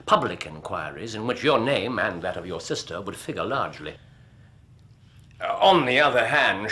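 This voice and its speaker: An actor playing Sherlock Holmes, a cool and precise middle-aged detective who explains his reasoning in measured, articulate, lecturing speech in a radio drama. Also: on the low side, fairly bright tone, breathy edge, heavily acted. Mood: persuasive. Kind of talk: 1990s radio drama acting.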